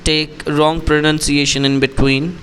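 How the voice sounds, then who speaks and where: A man's voice: on the high side, flat delivery, measured pace, fairly bright tone, a little hiss or hum. A man with an Indian accent, speaking as an English test tutor in an instructional, read-aloud lesson style. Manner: code-switches between English and Hindi. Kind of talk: instructional talk mixed with read-aloud demonstration.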